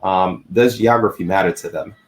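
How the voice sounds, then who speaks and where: A man on an investor panel, speaking haltingly with frequent restarts. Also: deep voice. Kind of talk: panel discussion.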